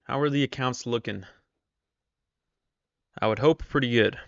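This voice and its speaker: A man's voice: medium pitch, unhurried, vocal fry, no room sound, muffled recording. A man hosting a casual live stream, chatting with viewers while losing his voice. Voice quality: strained, tired voice. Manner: chatty, reads viewer comments aloud. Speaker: live-stream trader host.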